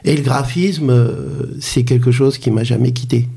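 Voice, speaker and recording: French guy in his 50s, guest on a podcast, lots of ums and restarts, dark husky voice. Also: medium pitch, fairly even intonation. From France. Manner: hesitant, halting, many fillers and restarts. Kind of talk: conversational interview.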